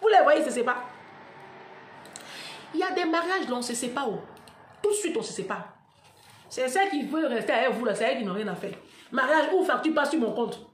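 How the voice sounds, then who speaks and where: A woman giving a blunt, mocking monologue to her viewers, animated and sarcastic and laughing often. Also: sits high, a little fast, long pauses, slight background noise. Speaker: online commentator on marriage. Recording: roomy echo.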